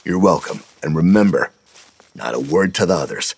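A man doing a gruff crude old grandpa. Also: animated, normal speed, a little mellow, heavily acted. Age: older. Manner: gruff, low, foul-mouthed. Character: crude, gruff older scout leader, bigoted.

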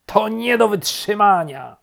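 A high, strained, grumpy boy rabbit played by a woman storyteller, forever exasperated and craving quiet. His complaints burst out loudly and swing widely in pitch. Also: expressive, a little slow, gravelly.

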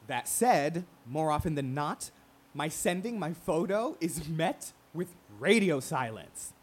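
An actor playing a brash, wounded, proud gay radio talk show host in an emphatic, profane, theatrical monologue. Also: male voice, on the high side, sing-song, slow pace, breathy edge, exaggerated voice. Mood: wry, rambling.

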